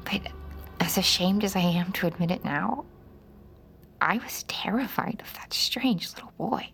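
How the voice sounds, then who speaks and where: An actress narrating as a haunted mother looking back with regret, in a hushed voice. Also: lowish voice, measured pace, gravelly, faint music behind. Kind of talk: audio drama narration.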